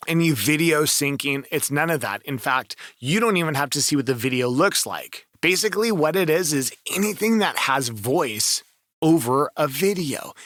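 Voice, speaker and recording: A man's voice: a little high, a bit bright, no echo, studio quality. A man giving enthusiastic, emphatic advice as a voice-over coach in a casual screen-share review.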